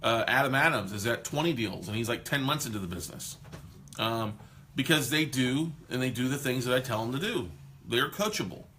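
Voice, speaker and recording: A man hosts a casual live stream, pushing his viewers with loud, fired-up encouragement. His voice is bright and forceful, with a faint hiss in the background. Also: medium pitch, fairly quick. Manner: energetic, motivational, loud. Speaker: host.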